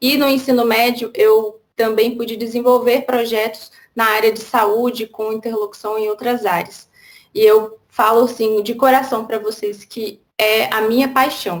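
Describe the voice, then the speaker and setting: Speaking fairly slowly, a woman keeps a monotone, flat intonation at a fairly high pitch. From Minas Gerais, Brazil (Viçosa). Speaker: physical education lecturer. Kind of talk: online lecture to high school students.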